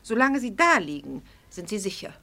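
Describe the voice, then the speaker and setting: An actress playing a vain, chatty hostess who gushes in a radio play. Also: female voice, medium pitch, big pitch swings, moderate pace, vocal fry, sharp tone, heavily acted. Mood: gushing. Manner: gushing, chatty. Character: vain gushing hostess, proud of her jewels.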